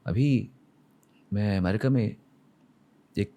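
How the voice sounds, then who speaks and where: A man's voice: fairly low pitch, takes it slowly, mellow. A man in his forties from India, speaking as a podcast guest. He tells reflective, emotional stories and mixes English phrases into his speech. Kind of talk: reflective conversational storytelling.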